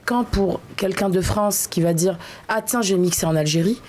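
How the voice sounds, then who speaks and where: A woman's voice: medium pitch, normal speed, darkish tone. Woman radio host from algeria. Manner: earnest, reads listener messages. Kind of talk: interview questions. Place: radio studio.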